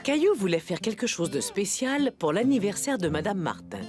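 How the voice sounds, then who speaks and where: A woman narrating a scripted story for small children in a gentle storyteller's manner, with music behind. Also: medium pitch, sing-song, normal speed, natural voice. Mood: gentle, storytelling.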